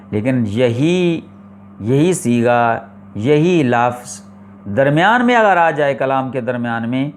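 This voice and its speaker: A man teaching the rules of Quran recitation in a classroom lecture, explaining slowly and deliberately, repeating his points and asking rhetorical questions. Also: medium pitch, slight background noise. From Pakistan.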